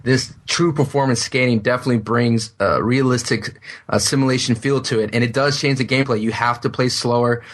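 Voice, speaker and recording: A young man from Texas with a mid-pitched voice lays out what changed in a sports game. He talks earnestly and fills his pauses with ums and uhs. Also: fairly even intonation, a bit bright. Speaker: game reviewer. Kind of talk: casual panel review.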